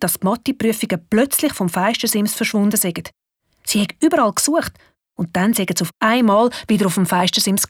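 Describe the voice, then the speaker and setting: Swiss German woman narrator, lively storyteller, breathy and dry-sounding, faint music behind. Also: medium pitch, dry recording.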